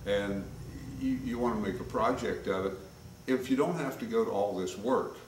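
An older man with a very deep voice walks through a woodworking repair in a relaxed, rambling way, full of "uh"s and asides. He sounds a few steps from the camcorder mic, in a boomy, roomy workshop with steady noise behind him. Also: moderate pace, distant mic. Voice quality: folksy, rambling with many fillers. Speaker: woodworking instructor. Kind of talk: casual workshop demonstration. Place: home workshop, indoors. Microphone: camcorder mic at a distance.

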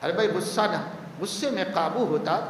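Male preacher, high voice, emphatic Friday sermon, long hall reverb, faint background hum. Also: brisk. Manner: emphatic, repeats key words for stress. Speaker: maulana preaching.

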